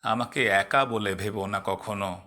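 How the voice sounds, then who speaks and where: Bright-voiced man reciting poetry dramatically. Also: lowish voice, steady tone, a little slow.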